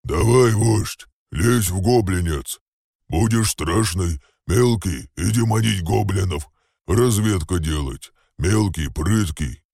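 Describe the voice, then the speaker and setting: A man voicing a gruff, slow-witted male orc warrior who talks in broken grammar. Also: low-pitched, darkish tone, no room sound, clean studio sound, full character voice. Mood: blunt.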